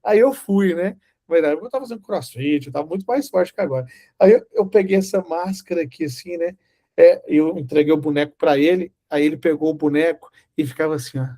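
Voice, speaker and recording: A man's voice: on the high side, brisk, warm tone. A man preaching a sermon, telling a personal story and acting out the dialogue. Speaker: Bible teacher.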